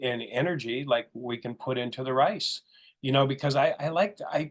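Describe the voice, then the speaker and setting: Here a man with an unremarkable speaking voice talks at a fairly quick pace with ordinary pitch variation. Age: 60s. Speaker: spiritual podcast co-host. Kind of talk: casual chat.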